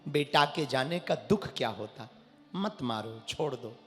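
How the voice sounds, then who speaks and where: A man's voice: animated, unhurried, full character voice. A preacher voicing a tearful pleading queen mother. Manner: soft, pleading, lowered voice. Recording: echoey hall with faint music.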